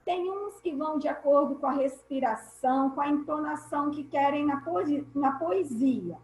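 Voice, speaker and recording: A woman's voice: high voice, moderate pace, darkish tone, slight background noise. A woman teacher with a Brazilian Portuguese accent, giving an online class over a video call, patient and explaining step by step with repeated key points. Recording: echoey room.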